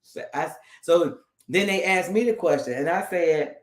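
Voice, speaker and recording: A woman co-host telling a story in a casual, animated way, laughing often and restarting her sentences. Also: lowish voice, moderate pace, echoey room. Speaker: podcast co-host.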